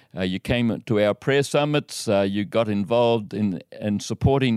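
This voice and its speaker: In a very clean recording with a silent background and a dry, close sound with no echo, a man speaks with an Australian accent at a medium pitch with ordinary pitch variation. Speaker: podcast host. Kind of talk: interview chat.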